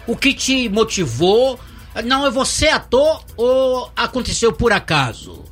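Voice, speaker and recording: Male radio host, jokey interviewer, high and animated, light music bed. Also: a little slow, breathy edge. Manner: chatty, jokey, lively questioning.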